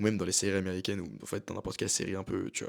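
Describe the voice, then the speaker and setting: At a very fast pace, a man talks at a fairly low pitch. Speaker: podcast host. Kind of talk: casual monologue. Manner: soft-spoken.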